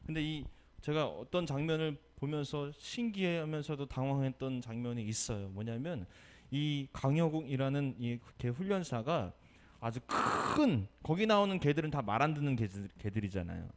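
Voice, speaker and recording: A male pastor giving a Sunday sermon, telling a story with lively energy and asking the congregation questions. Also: medium pitch, moderate pace. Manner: animated storytelling, acting out quotes.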